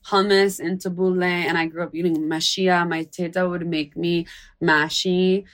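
A woman's voice: on the low side, little pitch movement, moderate pace. A woman in a casual chat, talking in a rambling way with many fillers. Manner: chatty and warm, rambling with fillers.

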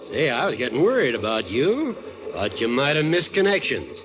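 An American actor playing a genial, obliging elderly gentleman in a 1940s radio drama. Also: mid-range voice, very animated, moderate pace, lightly acted.

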